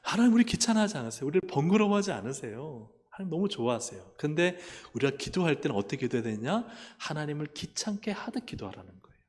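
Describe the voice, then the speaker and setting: Lively man preaching in a reverberant church. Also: a little high, fast, few pauses. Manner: lively preaching with calls of amen to the congregation; acts out quoted voices and asks the listeners questions. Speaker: pastor. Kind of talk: sermon. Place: church sanctuary. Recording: long church hall reverb.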